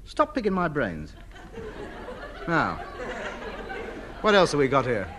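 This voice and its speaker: A man's voice: on the high side, wildly swooping pitch, takes it slowly, crowd noise, full character voice. An actor playing a pompous, self-important man in a 1950s radio sitcom, blustering and grandiloquent. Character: pompous, self-important middle-aged man hoarding junk. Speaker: comedy lead. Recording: noisy old radio broadcast.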